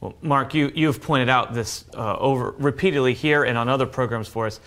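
A man's voice: medium pitch, fairly bright tone. Young man hosting a studio talk show. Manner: measured, transitions to a break. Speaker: co-host. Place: television studio.

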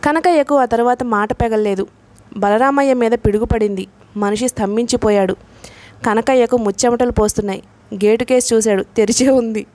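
A woman's voice: a little high, a little mellow, dry recording. Woman reading a novel aloud, dry. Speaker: audiobook narrator. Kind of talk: novel reading with voiced dialogue.

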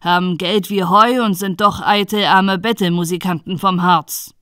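A woman voicing a scheming male innkeeper who speaks slowly and insinuatingly. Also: on the low side, steady tone, a bit bright, clean tone, no room sound, clean studio sound, natural voice. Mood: accusing.

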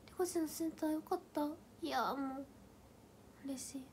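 A young woman hosts a casual livestream, and her voice sits high and light. She chats playfully, reacts to comments with quick questions and thanks viewers one by one. Her delivery is relaxed and talkative. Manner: counts aloud and thanks viewers by name in long lists. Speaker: idol group member hosting a livestream.

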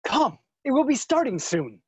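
A man's voice: very high-pitched, big pitch swings, normal speed, a little mellow, slightly rough, no room sound, full character voice. An actor in his thirties playing an earnest, lovestruck younger brother, romantic and defiant, in a staged play reading. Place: room at home, video call.

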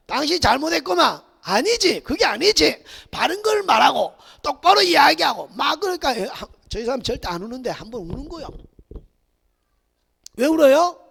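Male pastor, lively up-and-down pitch, gravelly bright edge, shouts then hushes, long church reverb. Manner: swings between loud shouted exhortation and hushed near-whispers, repeated hallelujahs. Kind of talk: Sunday sermon. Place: church sanctuary.

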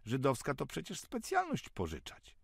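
A man's voice: mid-range voice, wildly swooping pitch, normal speed, creaky, slightly rough, no room sound, studio quality, voice pushed up, exaggerated voice. A man voicing a simple, good-natured, henpecked village man who speaks in an easygoing, folksy way.

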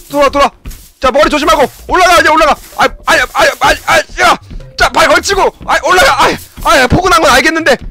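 A game streamer with a very high-pitched voice delivers loud, yelping gameplay commentary. He shouts quick, repeated commands and laughs often.

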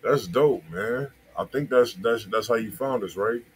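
Hosting a music review livestream, an American man in his thirties speaks directly to his viewers in slangy, casual conversation. He has a mid-range voice and a measured pace. The recording carries the noisy sound of a small indoor livestream room.

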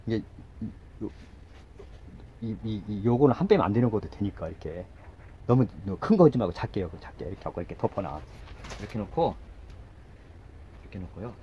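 Low-voiced man muttering through a gardening demo. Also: animated, fairly quick, long pauses, dark tone, dull audio, slight background noise. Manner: talks while working, repeats short words, mutters asides. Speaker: gardening channel host. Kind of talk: casual hands-on gardening demonstration. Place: outdoors by a house.

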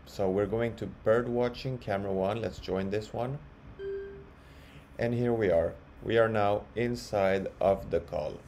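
A man presenting a casual software walkthrough, explaining step by step in a halting way. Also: lowish voice. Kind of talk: casual screen-share walkthrough. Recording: clearly audible background noise.

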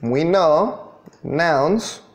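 A man in his thirties giving an online English grammar lesson in a deliberate, instructional manner, stressing key words. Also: on the high side, animated. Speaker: English teacher. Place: small indoor room.

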